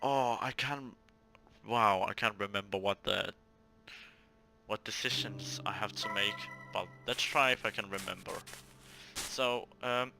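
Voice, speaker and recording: A man with a lowish voice reads a visual novel aloud for a gaming video. His delivery is halting, with stumbles and repeated words, mixed with casual commentary. Music plays clearly behind him.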